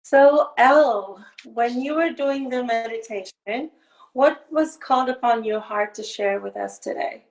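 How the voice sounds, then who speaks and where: Gravelly-voiced woman podcast host. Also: fairly high pitch, dull audio. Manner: soothing, slow guided breathing. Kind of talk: guided meditation then interview.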